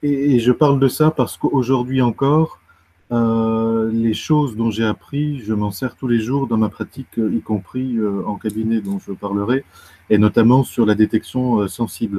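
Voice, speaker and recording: A man at a medium pitch, fairly slow pace, ordinary pitch variation, long, frequent pauses. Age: 30s. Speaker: alternative health practitioner. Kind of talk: interview. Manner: hesitant, many fillers.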